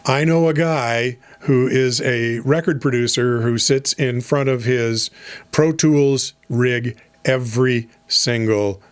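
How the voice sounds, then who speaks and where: A middle-aged man giving a relaxed, conversational lesson as a voice over coach, with fillers and asides. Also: mid-range voice, slow, clear, resonant tone. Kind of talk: casual instructional talk.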